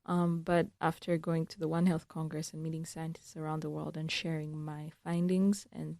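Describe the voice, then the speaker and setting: A young woman from Uganda, a student guest answering radio interview questions in an earnest, thoughtful way with frequent pauses. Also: low voice, level tone, vocal fry, darkish tone, no room sound. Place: radio studio.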